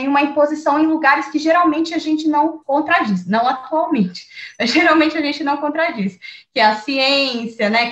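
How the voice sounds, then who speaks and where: Brazilian woman teacher thinking out loud, lots of filler words, echoey room. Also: high-pitched, lo-fi sound. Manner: thoughtful, many fillers and restarts. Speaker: teacher and researcher, guest. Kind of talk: conversational interview.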